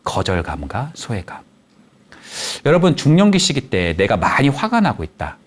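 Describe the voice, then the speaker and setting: A man's voice: mid-range voice, normal speed. A man who counsels people from children to the elderly, giving a lecture and telling anecdotes that he acts out in the voices of the people he quotes. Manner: animated storytelling, acting out quoted voices. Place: lecture studio.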